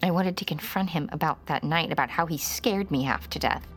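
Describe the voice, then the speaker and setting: An actress narrating as a haunted mother looking back with regret, in a hushed voice. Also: low voice, fairly quick. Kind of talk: audio drama narration.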